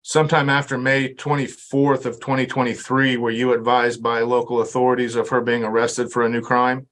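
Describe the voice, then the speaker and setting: A male prosecutor speaks in formal legal phrases in a courtroom recording. His voice is mid-pitched and very even, with little melody. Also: a little fast.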